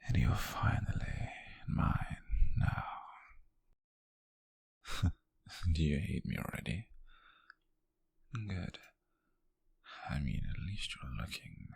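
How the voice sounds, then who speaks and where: A British man playing a possessive, obsessive, smug wealthy captor in an intimate ASMR roleplay, husky and whispery, speaking softly and deliberately close to the mic. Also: rumbling low, big pitch swings, no echo, exaggerated voice. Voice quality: breathy, husky, gravelly whisper. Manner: slow, deliberate, menacingly soft. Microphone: close microphone, dry.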